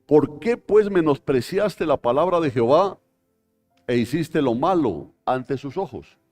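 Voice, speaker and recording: Pastor doing a stern prophet, low and heavy, pointing the finger, grave. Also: male voice, very animated, mellow, faint music behind, full character voice. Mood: rebuking. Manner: slow, grave accusation. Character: stern prophet Nathan, grave older man, accusing.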